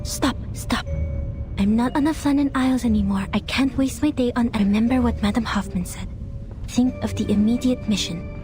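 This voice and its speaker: An actress playing a nervous, earnest young assistant investigator who hesitates and frets to herself, in video game style. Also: female voice, a little high, normal speed, darkish tone, natural voice. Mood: anxious. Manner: hesitant, anxious self-talk with broken-off thoughts. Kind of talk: dramatic video game voice acting. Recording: music behind the voice.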